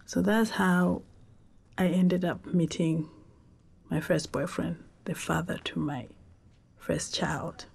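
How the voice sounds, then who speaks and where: A Zambian woman whose first language is Tonga, telling her life story in a reflective, unhurried way with pauses and restarts. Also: on the low side, steady tone, gravelly, darkish tone, slightly rough. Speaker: documentary interviewee.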